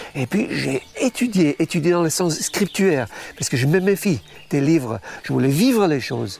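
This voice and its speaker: Over noticeable background noise, a man with a fairly high pitch speaks at a moderate pace with very wide pitch swings. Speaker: teacher, author and musician. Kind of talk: testimony. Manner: halting.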